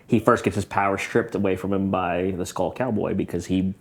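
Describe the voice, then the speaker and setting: A man's voice: low-pitched, fairly even intonation, brisk. A man hosting a casual film podcast, retelling movie scenes step by step. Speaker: podcast host.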